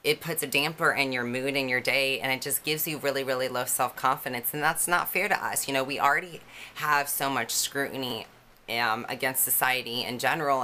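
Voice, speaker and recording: Low-voiced young woman, bright tone. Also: a little hiss or hum. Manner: candid, conversational, many fillers. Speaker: vlogger. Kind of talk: personal story to camera.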